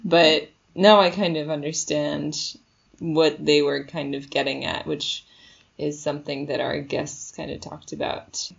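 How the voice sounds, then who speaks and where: A woman's voice: sits low, little pitch movement, unhurried, creaky, muffled recording. A woman co-hosting a podcast in a chatty, casual way, retelling stories and quoting people. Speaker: podcast co-host. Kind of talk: casual chat. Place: Shenzhen.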